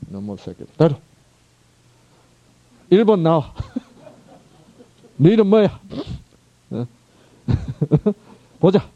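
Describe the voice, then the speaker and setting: A man's voice: sits high, expressive, extremely slow, long pauses, dry recording, pitched above the performer's own voice, exaggerated voice. A man playing a harsh, mocking judge who barks orders as he calls people up one by one, on a muffled recording. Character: harsh, mocking male judge calling sinners up.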